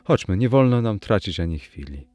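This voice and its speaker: Gentle village girl, secretive, soft-spoken, low deep voice, read by a man, dry close sound. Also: very animated, moderate pace, dry recording. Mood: earnest.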